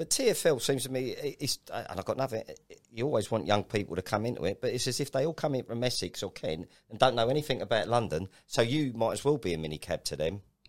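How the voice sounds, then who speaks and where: Speaking very fast with lively intonation, a man at a medium pitch has audible vocal fry. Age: 60s. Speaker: taxi driver and knowledge teacher. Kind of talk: casual chat. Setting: studio.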